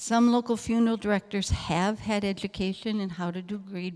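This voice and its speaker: On a very clean recording with a silent background, a woman speaks in a shaky voice with a dark, mellow tone. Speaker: church committee member presenting. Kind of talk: church service presentation.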